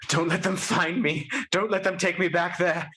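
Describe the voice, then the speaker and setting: A man's voice: sits high, fairly even intonation, normal speed, bright, forceful tone, a little hiss or hum. A man playing a terrified, exhausted young fugitive, pleading desperately in a live radio play.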